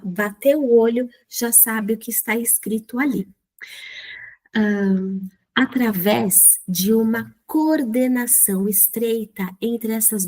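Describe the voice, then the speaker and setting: Woman, Brazilian accent, mid pitch, didactic trainer voice for a slide lesson. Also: darkish tone. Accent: Brazilian Portuguese. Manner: didactic, asks the audience questions, frequent "né". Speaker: teacher trainer.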